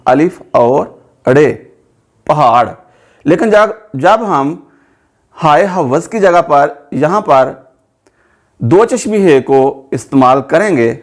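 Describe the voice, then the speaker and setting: A man with a Pakistani Urdu accent gives a spelling lesson at a very unhurried pace. His voice sits a little high for a man, and he sounds out each letter and stretches the example words so learners can follow. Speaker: teacher. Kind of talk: slow, methodical spoken lesson.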